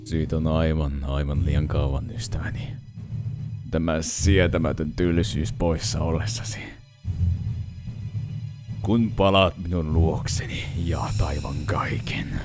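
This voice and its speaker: Extremely deep, languid, cold villain. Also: male voice, fairly even intonation, over music. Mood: brooding longing. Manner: languid, detached, brooding. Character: bored, cold, haughty male warlord villain. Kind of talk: dubbed video game cutscene acting.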